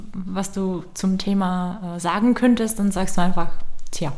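Audible room echo surrounds a woman speaking at a fairly slow pace, medium in pitch, with fairly even intonation. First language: Czech (speaking German). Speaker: podcast host, German teacher. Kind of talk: casual interview. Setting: studio, table microphone.

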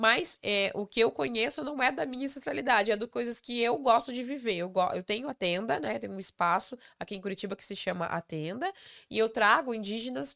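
A woman speaks at a fairly quick pace with a bright, sharp tone, vocal fry and lively intonation, in a very clean recording with a silent background and a dry, close sound with no echo. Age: 30s. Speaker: author. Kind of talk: casual chat.

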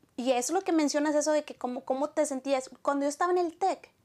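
A woman at a high pitch, very fast pace and ordinary pitch variation, on a very clean recording with a silent background. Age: 30s. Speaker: photographer. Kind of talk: casual interview chat.

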